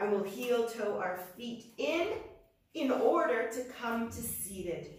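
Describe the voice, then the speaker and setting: A woman talks at a fairly slow pace. Strong room echo surrounds her voice. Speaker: yoga instructor. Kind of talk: guided yoga class with calm cueing. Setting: online yoga class video. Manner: calm, soothing, measured; slow, steady pacing with pauses. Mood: calm, soothing. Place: gym.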